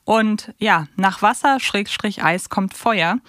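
A woman's voice: mid-range voice, slow, a bit bright, no room sound, clean studio sound. A woman co-hosting a podcast, chatting casually as she recaps an audio play. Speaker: podcast co-host.

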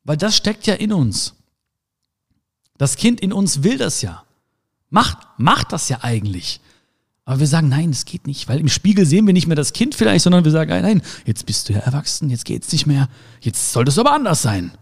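A man's voice: fairly high pitch, very animated, normal speed, husky. A man giving a motivational talk in an emphatic way, repeating his key phrases. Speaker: motivational speaker.

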